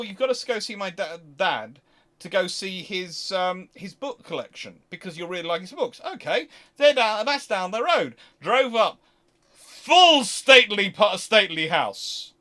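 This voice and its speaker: A British man hosting a casual question-and-answer chat, talking in a rambling, halting way and often interrupting himself. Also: sits high. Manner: rambling, halting, animated anecdotes with self-interruptions. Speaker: host answering viewer questions.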